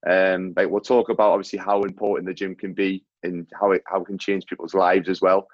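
A man hosting a podcast in casual chat, calling his guest mate, his voice coming through low-quality, lo-fi audio from a faulty mic and a weak connection. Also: level tone, fairly quick, no room sound. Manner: chatty, friendly, calls the guest mate. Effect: low-quality audio from a faulty mic and wifi. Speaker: podcast host. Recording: dull, lo-fi, dry mic audio.

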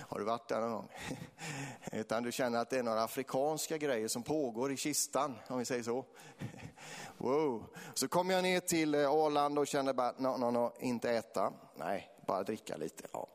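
A man's voice: medium pitch, lively intonation, long reverb tail. A man from Småland giving a church sermon with a Småland accent, telling personal stories with laughter and rising to fervent preaching. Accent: Småland Swedish.

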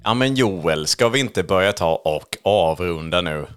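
A podcast host, a man with a low voice that rises and falls in lively swings. He chats casually and playfully with his co-host. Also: music in the background. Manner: animated, playful. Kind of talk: casual chat.

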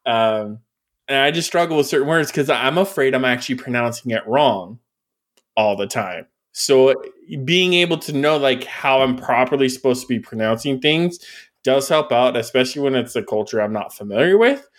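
Male podcast host, mid-pitched, hesitant and thoughtful, asks questions. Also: animated, normal speed. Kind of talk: casual chat.

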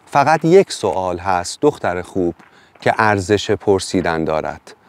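A man voicing a wise wolf from another time in a storybook reading, speaking low and slow. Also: very animated. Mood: solemn.

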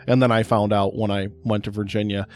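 A middle-aged man with a loud, projecting voice, hosting a podcast and telling a rambling personal story in a casual, chatty way. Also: on the low side, little pitch movement, fairly quick, soft background music. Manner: rambling, chatty, repeats words for emphasis. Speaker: podcast host.

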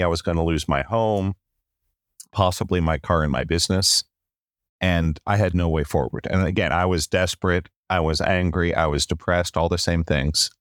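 A middle-aged man from the United States, a podcast guest telling his story in an animated way and often asking "right?". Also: low-pitched, no echo, studio quality. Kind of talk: storytelling in a conversation.

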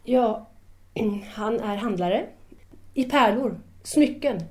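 A woman's voice: on the high side, natural voice. A woman acting in an audio drama as a shy, admiring young female student who doubts herself and speaks hesitantly and deferentially. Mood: modest.

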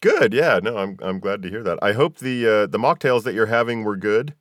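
A man's voice: on the low side, animated, brisk, no echo, clean studio sound. A man hosting a podcast in a conversational interview style. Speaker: podcast host.

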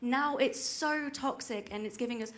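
A woman's voice: on the high side, normal speed, fairly bright tone. A young woman in the audience, speaking earnestly and with animation. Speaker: audience member.

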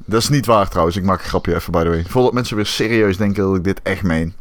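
A man's voice: sits low, fast, no echo. A young man with a Brabant accent, hosting a casual podcast chat, joking and cursing freely. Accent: Brabant Dutch. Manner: animated, swears a lot, jokey. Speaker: podcast host.

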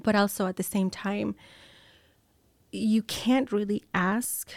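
A woman's voice: mid-range voice, steady tone, slow pace, vocal fry, dry recording. An American woman, a nurse, telling her personal story as an interview guest, reflective and candid, with many ums and restarts. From United States.

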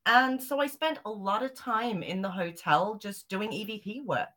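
A woman from Zimbabwe and South Africa, a guest telling her story in a lively interview. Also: medium pitch, moderate pace. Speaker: guest, psychic medium and author. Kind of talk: interview answers.

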